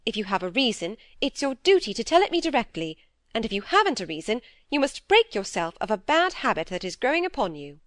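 A woman voicing a severe, brisk elderly spinster who speaks in a commanding, impatient way. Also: fairly high pitch, sing-song, a bit bright, dry recording. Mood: stern.

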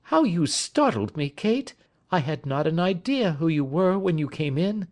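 A calm, kindly wife speaks in a gentle and reassuring way, as a man reading aloud puts her on. Her voice sits well above the narrator's own. She sounds measured and composed, in the manner of a storybook reading. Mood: soothing. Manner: gentle, raised-pitch reassuring tone. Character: kind, composed wife comforting a friend. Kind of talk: audiobook character voice.

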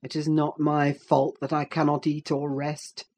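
Haunted brooding older man, voiced by an audiobook reader: slow, grave, intense lines. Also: a little high, completely flat delivery, a little mellow. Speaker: character in an audiobook. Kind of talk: dramatic audiobook reading.

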